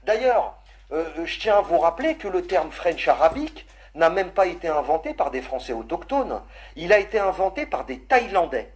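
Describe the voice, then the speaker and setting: A man's voice: high-pitched, sing-song, moderate pace. A man hosting a live stream, speaking casually and sarcastically as he holds forth to his listeners. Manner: sarcastic, holding forth, calling listeners "brother". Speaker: livestream host.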